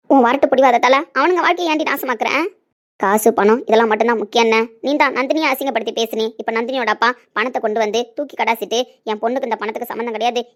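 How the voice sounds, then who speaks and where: In a Tamil web series, a woman plays an anguished middle-aged mother in a family drama, swinging between pleading and scolding. Her natural, slightly high voice pours out words fast, with emotional, pressing delivery.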